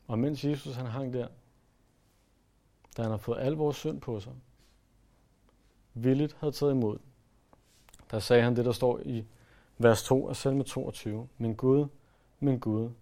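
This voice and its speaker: A man preaching a sermon in an earnest way, pressing his points hard and then letting his voice fall soft. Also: medium pitch, fairly even intonation, long pauses. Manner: earnest, rises to emphatic then drops to soft.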